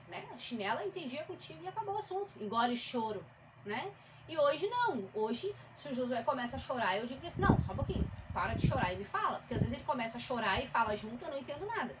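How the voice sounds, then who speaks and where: A woman's voice: fairly high pitch, very noisy. A woman with a southern Brazilian accent, a single mother vlogging in a casual, frank chat full of fillers and restarts. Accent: southern Brazilian Portuguese. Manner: chatty, frank, uses many fillers.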